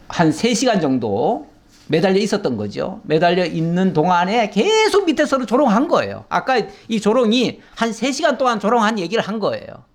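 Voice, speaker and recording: A middle-aged male pastor giving a verse-by-verse Bible lesson, briefly acting out the voices of mockers as he explains. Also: high-pitched. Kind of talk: Bible teaching sermon.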